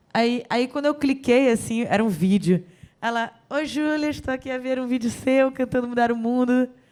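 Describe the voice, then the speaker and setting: A woman speaks in a Brazilian accent at a high pitch. Her pace is moderate and her pitch variation ordinary. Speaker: singer-songwriter. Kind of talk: interview.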